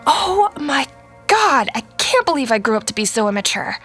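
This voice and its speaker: Earnest high-voiced teenage girl. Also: very animated, normal speed, a bit bright. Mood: indignant, urgent. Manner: earnest, youthful, pushy. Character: earnest, idealistic, outspoken sixteen-year-old girl artist. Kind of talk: audio drama acting. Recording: music under the voice.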